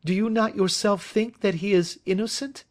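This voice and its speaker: A man's voice: sits high, fairly even intonation, normal speed, pitched above the performer's own voice, lightly acted. A man reading aloud as an earnest young woman who urgently pleads for a friend. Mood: imploring. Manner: urgent, imploring.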